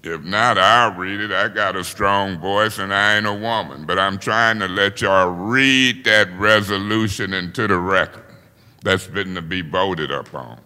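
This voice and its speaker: A man's voice: sits low, unhurried, bright, forceful tone, clear, resonant tone, in a large hall. A man chairing a city council meeting as its president, speaking in an informal, folksy way in council chambers. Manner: informal, folksy speech with plain talk.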